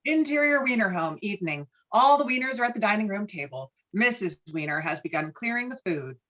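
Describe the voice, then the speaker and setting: A woman's voice: mid-range voice, lively intonation, brisk, fairly bright tone, lo-fi sound. A woman reading screenplay stage directions as scripted narration in a virtual table read.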